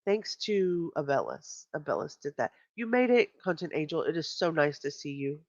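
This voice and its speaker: Her low, sing-song voice moves at a moderate pace as this livestream host chats casually, responds to her chat, and stresses her points, all with a stuffy nose. The recording is dry, with dull, lo-fi stream quality.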